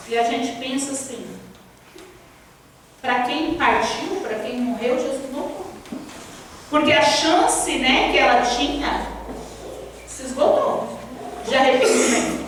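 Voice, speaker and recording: A woman pastor preaching a sermon, asking the congregation direct questions. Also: high-pitched. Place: church hall. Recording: echoey church hall from far off, faint noise.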